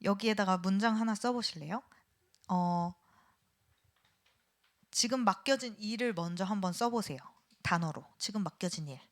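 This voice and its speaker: A woman's voice: medium pitch, moderate pace, long pauses. A middle-aged woman lecturing in a church classroom, asking the class questions and sometimes dropping to a whisper. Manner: animated, asks the class questions, drops to a whisper at times. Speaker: seminary lecturer.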